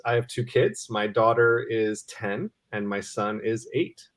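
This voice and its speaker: A man's voice: fairly low pitch, unhurried. A man in his thirties from Cameroon, a nonprofit CEO speaking as a guest in a casual interview, with an eager, earnest manner. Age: 30s.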